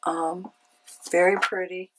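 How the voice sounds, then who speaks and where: A woman with a cold hosting a casual craft tutorial, chatty and unhurried, with frequent ums. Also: on the low side, level tone, fairly bright tone, poor audio. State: has a cold. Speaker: craft channel host. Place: home craft room.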